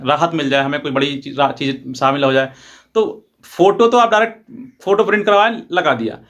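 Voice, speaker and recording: Higher-pitched man explaining legal matters. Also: a bit bright. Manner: repetitive, explanatory, mixes in English legal terms. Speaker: advocate presenting legal advice videos. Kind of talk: informal explainer to camera.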